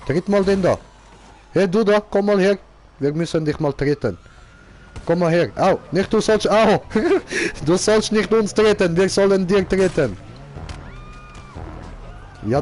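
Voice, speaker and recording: A man's voice: high-pitched, darkish tone. A young man playing a boastful, car-loving character who speaks in broken grammar and keeps repeating the same filler word, commenting on a game.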